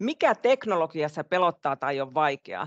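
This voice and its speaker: A woman speaks at a fairly slow pace with a fairly low pitch and lively intonation, in an ordinary speaking voice. The sound is dry with no echo, over a quiet background. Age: 50s. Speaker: coach and trainer; coach, trainer. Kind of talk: online training session. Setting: video call.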